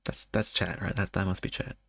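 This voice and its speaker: A man with a fairly low voice hosts a spooky game stream. He talks casually to his viewers and reads visual novel text aloud. His chatty delivery is halting, with repeated words. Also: fairly even intonation, vocal fry, a bit bright, slightly rough, raised voice.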